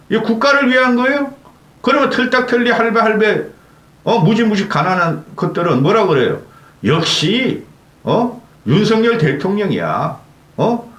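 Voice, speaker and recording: A man rants through heated political commentary, scolding his targets and tossing in sharp rhetorical "eh?" tags between lines. His fairly high voice swings widely up and down. The sound bounces around a roomy space. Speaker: political commentary channel host. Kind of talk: angry political commentary rant.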